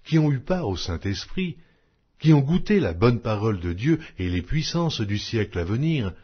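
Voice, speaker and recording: A man reading scripture aloud as an audiobook, in a solemn, measured, declamatory way. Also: mid-range voice, big pitch swings, breathy edge, dull audio. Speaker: audiobook Bible reader.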